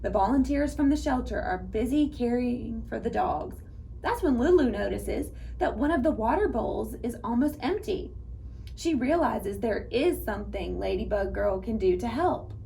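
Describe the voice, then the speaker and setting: A woman reading aloud to young children at storytime, with an animated manner and speaking directly to her listeners. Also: on the high side, moderate pace, gravelly, a little hiss or hum, poor audio. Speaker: children's librarian and storytime reader.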